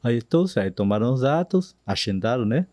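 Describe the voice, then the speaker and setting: Argentine man, mellow voice, Spanish slips in. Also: mid-range voice, no echo, studio quality. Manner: slow, animated retelling with Spanish words slipping in. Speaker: missionary guest. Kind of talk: storytelling in a podcast interview.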